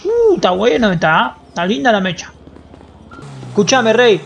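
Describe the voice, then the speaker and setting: A man's voice: high-pitched, sing-song, normal speed, vocal fry, music in the background. An Argentine man streaming a roleplay game, improvising joking, cocky banter full of street slang. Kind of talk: improvised in-character banter, casual slangy chat.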